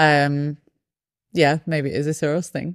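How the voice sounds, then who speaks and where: A woman speaks at a moderate pace with a very deep, low pitch. The recording is very clean and dry, close with no echo and a silent background. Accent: British. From England, London. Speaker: podcast guest. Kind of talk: casual chat.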